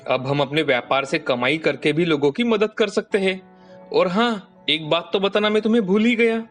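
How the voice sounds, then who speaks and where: A man voicing a kind, generous merchant in a cartoon story, speaking calmly and reassuringly. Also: high voice, normal speed, faint music behind, close to an everyday voice. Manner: calm, gentle, reassuring. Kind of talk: cartoon voice acting.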